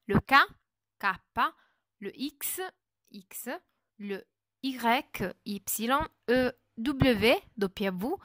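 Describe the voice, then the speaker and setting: Woman, language teacher, unhurried careful delivery, dry close recording. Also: a little high, fairly bright tone, no echo. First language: Italian. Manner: deliberate, spells and repeats words with French translations. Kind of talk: slow, careful pronunciation lesson.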